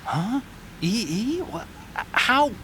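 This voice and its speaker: An actor playing an anxious, sensitive computer expert and protective brother in a video game, hesitant and emotional. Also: male voice, very high voice, sing-song, very slow, pushed and bright, slight background noise, heavily acted. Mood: startled, hesitant. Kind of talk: dramatic video game voice acting.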